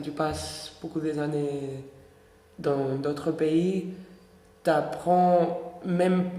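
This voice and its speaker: A woman with a Spanish accent speaks very slowly in a very deep, low pitch, with monotone, flat intonation and long, frequent pauses. There is audible room echo and music in the background. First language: Spanish (speaking French). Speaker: radio show host. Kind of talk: interview conversation.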